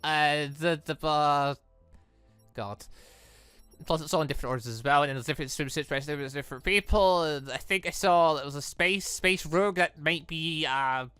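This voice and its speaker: A man's voice: fairly high pitch, moderate pace, pushed and bright, clear, resonant tone, no echo, faint music behind. A man giving casual, rambling commentary as he hosts a gaming playthrough, often interrupting himself. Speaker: gaming video host.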